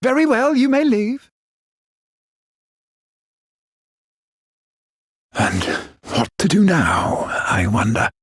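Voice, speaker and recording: A man's voice: sits high, huge pitch swings, unhurried, slightly rough, exaggerated voice. A man playing a pompous, condescending aristocratic villain in a video game, theatrical and full of disdain. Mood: scornful, scheming.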